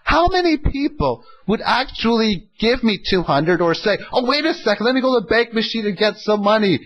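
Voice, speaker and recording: A man's voice: high-pitched, expressive, a little fast, lo-fi sound. A man hosting an informal economic commentary, speaking in an opinionated, emphatic way and often posing rhetorical questions. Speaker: host of an economic audio log.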